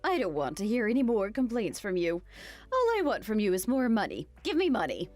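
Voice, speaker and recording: A spiteful, money-hungry mother-in-law sneers and mocks, voiced by a woman. Her pitch swoops wildly from line to line as she delivers each insult. Faint music plays behind this animated story. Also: fairly quick. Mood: sneering. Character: cruel older mother-in-law, spiteful and greedy.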